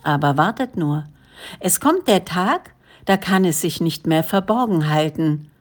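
Solemn preaching prophet man, read by a woman, slow and a bit low. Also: expressive. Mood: warning. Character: earnest male prophet, calm and admonishing.

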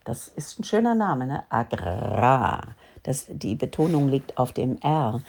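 A woman's voice: extremely low pitch, animated, moderate pace, dark tone. A woman hosting a political talk show, speaking in a sarcastic, mocking way. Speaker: host.

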